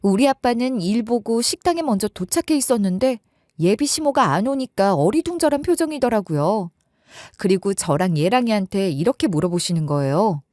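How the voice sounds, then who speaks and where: A woman's voice: mid-range voice, expressive, normal speed, a little mellow, dry recording, studio quality. A young woman telling a first-person story in a chatty, conversational way.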